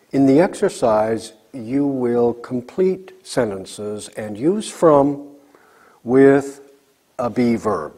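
An older man gives a slow, carefully paced English lesson, leaving pauses for learners to repeat. His voice is mellow and a little husky, and it rises and falls a great deal in pitch. He sounds close to the mic on a studio set. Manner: clear, deliberate teacher delivery with pauses for repetition. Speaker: English teacher. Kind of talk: slow scripted ESL lesson with drills. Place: studio set before bookshelves.

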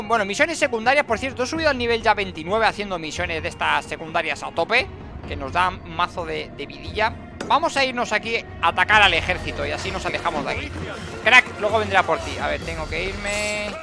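High-voiced excitable Spanish gamer. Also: male voice, creaky. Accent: Spain Spanish. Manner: excitable, jokey, talks to the game characters. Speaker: gaming channel host. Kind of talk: gameplay commentary. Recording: game music and sounds behind.

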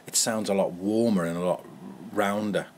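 This comedian guest from the Wirral speaks with a Merseyside accent, chatting casually through anecdotes while he laughs often and keeps restarting lines. His voice sits on the low side with fairly even intonation and a normal pace, and there's slight hiss or hum.

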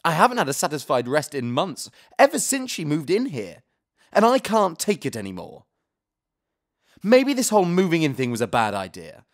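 A man's voice: fairly high pitch, wildly swooping pitch, normal speed. A male actor playing a weary young man who complains in an exasperated way about losing sleep.

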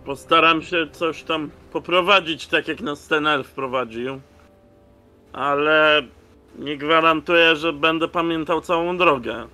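Slow, bright-voiced male player. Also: on the high side, steady tone, faint music behind. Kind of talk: casual tabletop roleplay talk.

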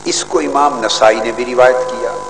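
An older man, a religious scholar, giving a formal hadith lesson from a podium, measured and scholarly with emphatic rises. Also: medium pitch, fairly even intonation, a bit bright. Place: large outdoor stadium stage. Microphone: podium microphones. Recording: hall echo, faint background noise.

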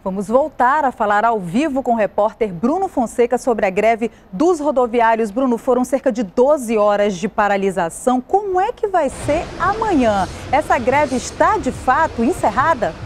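A woman news anchor with a Brazilian Portuguese accent, reading the news in a polished, brisk way from a TV studio. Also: fairly high pitch, animated, a little hiss or hum.

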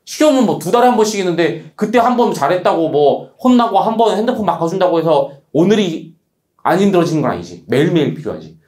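A man lecturing students as a study coach. He talks bluntly and casually, teasing them with quick rhetorical questions. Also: high-pitched, very animated, darkish tone, echoey room.

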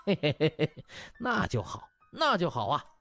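A man's voice: fairly high pitch, huge pitch swings, normal speed, sharp tone, soft background music, full character voice. A man voicing a cheeky young male doctor in an audiobook, smug, mock-polite and wheedling. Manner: mock-polite, wheedling, chuckling colloquial talk.

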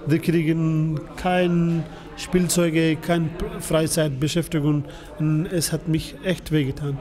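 A man's voice: a little high, little pitch movement, takes it slowly, dark tone. A man in his thirties, a refugee TV reporter, speaking earnestly with many hesitations and filler sounds in a small office. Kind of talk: interview answers, unscripted.

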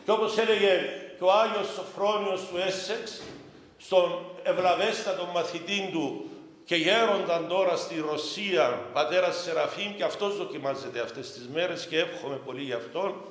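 A man with a Cypriot Greek accent, a bishop giving a sermon in a slow, storytelling manner. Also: high-pitched, a bit bright. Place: chapel during a vigil service. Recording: echoey chapel reverb with faint ambience.

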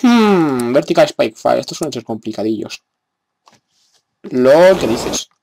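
A man's voice: medium pitch, very animated, takes it slowly, gravelly, darkish tone, a little hiss or hum. A young man with a Spain Spanish accent giving gameplay commentary, sarcastic and exasperated, with frequent cursing. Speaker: gamer.

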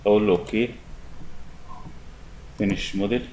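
A young man with an Egyptian Arabic accent giving a relaxed, step-by-step software tutorial at his desk. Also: lowish voice, moderate pace, slight background noise, low-quality recording. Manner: relaxed, step-by-step explaining with many fillers. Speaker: software instructor. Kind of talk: screen-recorded software tutorial.

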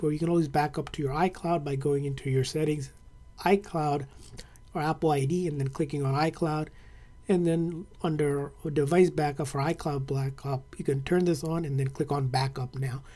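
Male tech host, relaxed mellow voice, easygoing tutorial narration at a desk. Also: a little high. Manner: casual, friendly, with fillers. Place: indoor desk setup, hands on tablet.

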